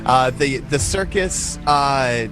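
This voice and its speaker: A man acting as game master, improvising narration in a casual, halting, descriptive way. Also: medium pitch, animated, music in the background.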